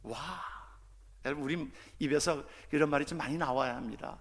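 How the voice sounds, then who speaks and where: Fervent Korean pastor preaching in a reverberant hall. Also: male voice, a little high, steady tone, quick pace. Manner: fervent preaching, swings from soft asides to loud proclamations. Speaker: senior pastor. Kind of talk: sermon. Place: church sanctuary. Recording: long reverb of a church hall.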